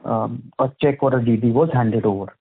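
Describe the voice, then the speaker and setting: A man's voice: moderate pace, a crowd in the background. An Indian-accented man asking questions as an analyst on an earnings call, phrasing them in a hesitant, roundabout way. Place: telephone conference call. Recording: muffled, low-fi conference phone line.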